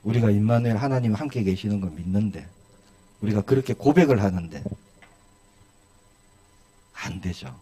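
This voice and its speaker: A man's voice: lowish voice, animated, moderate pace, pauses often, dark tone. A male pastor preaching a sermon in a church, asking his congregation one rhetorical question after another.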